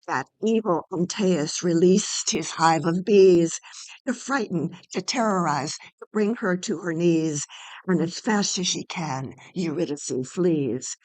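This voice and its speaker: A woman reading a play aloud as a deliberate, dramatic narrator, including stage directions. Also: lowish voice, darkish tone. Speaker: playwright reading own play.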